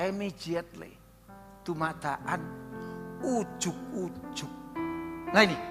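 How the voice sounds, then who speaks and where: High bright-voiced pastor preaching. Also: male voice. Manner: conversational preaching, asks the congregation questions; mixes in Javanese words. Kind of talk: sermon. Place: church hall. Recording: reverberant church hall with music.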